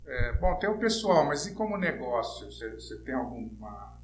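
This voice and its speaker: A man's voice: medium pitch, sing-song, moderate pace. A mature Brazilian man hosting a casual interview, feeling his way through questions and rephrasing them as he goes. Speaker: interviewer, host. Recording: roomy echo, faint hum and noise.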